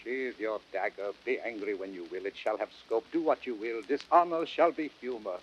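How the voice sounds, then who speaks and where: An actor playing a proud, stern, honour-bound Roman general, declaiming measured verse in a classical Shakespearean audio drama. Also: male voice, on the low side, lo-fi sound, lightly acted. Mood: softening, reconciled. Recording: noisy vintage drama record.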